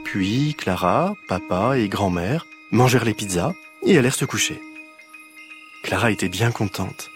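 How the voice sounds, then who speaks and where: A man reading a children's story aloud in a slow, expressive storytelling manner. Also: on the low side, soft background music.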